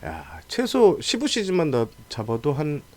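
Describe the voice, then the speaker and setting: A male talk show host with a fairly high voice and very lively intonation. He talks casually, in colloquial phrases, and often interjects. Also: a little slow.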